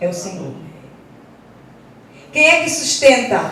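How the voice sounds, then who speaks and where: A woman's voice comes through with audible room echo. There is noticeable background noise as well. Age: 60s. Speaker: preacher. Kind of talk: sermon.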